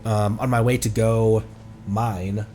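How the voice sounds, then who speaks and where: A man's voice: fairly low pitch, flat delivery, slow pace, warm tone, faint music behind. A man doing casual, goofy livestream commentary while he plays a video game. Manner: playful, goofy, often parrots game characters. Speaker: streamer.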